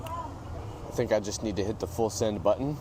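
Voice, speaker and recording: A man's voice: lowish voice, huge pitch swings, moderate pace. Young American man, noisy street ambience. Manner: projecting, loud. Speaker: podcast guest. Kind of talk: casual chat. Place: outdoors in public at a busy drive coffee stand. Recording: noisy outdoor urban drive-through ambience. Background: outdoor ambience and vehicle noise.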